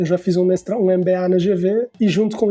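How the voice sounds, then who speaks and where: A man speaks with a high-pitched voice. Music plays in the background. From Portugal. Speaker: startup founder and CEO, trained doctor. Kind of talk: podcast interview. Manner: casual, conversational.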